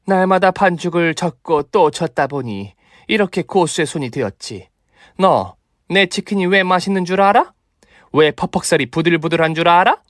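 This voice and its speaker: A feisty older mother in a comic radio drama, acted out by a man, pitched well up in a dry close sound. She is bossy and vengeful, throwing out bombastic martial-arts threats like the tough owner of a chicken restaurant. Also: fairly bright tone, dry recording. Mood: menacing, boastful.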